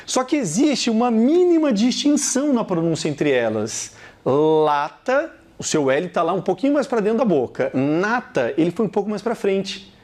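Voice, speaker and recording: This video lesson is taught by a man with a Brazilian Portuguese accent who talks directly to the camera and says example words again slowly. He has a high-pitched, dark-toned voice that swings widely in pitch.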